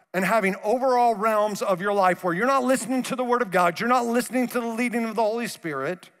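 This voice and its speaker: A pastor in his thirties delivers a sermon from the stage of a large church auditorium, wearing a headset mic. He is animated, pacing and gesturing widely, and drops to a soft, low voice for emphasis. The hall is reverberant, with faint music in the background.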